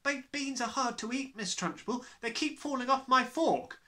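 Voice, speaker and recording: Man doing a high-voiced plucky little schoolboy. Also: normal speed, pushed and bright, exaggerated voice. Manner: matter-of-fact, plucky. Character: brave, cheeky, bright little schoolboy.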